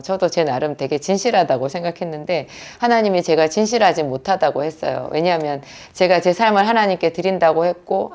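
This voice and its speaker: A woman's voice: lowish voice, a little mellow. A middle-aged woman, a pharmacist who teaches prayer, telling her own story in a sermon-style talk and acting out the prayers she quotes.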